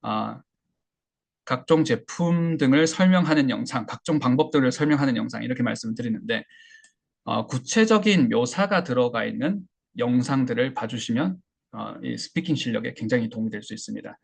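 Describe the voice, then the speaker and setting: Male instructor, gravelly and husky, mid-pitched; relaxed lecturing with fillers. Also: brisk. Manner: relaxed, explanatory, many fillers and restarts. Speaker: English listening instructor. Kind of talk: online class lecture.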